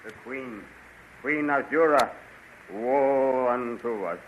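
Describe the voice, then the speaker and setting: An actor playing a fearful male courtier in a 1930s radio drama, lamenting slowly and solemnly. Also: mid-range voice, natural voice. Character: wailing male courtier, doom-laden and fearful. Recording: dull, hissy 1930s radio transcription.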